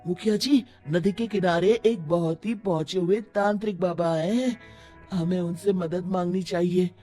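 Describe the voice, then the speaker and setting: A performer voicing an anxious, earnest village man in an animated story, fearful and seeking help, music behind. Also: medium pitch, moderate pace, close to an everyday voice. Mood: earnest pleading.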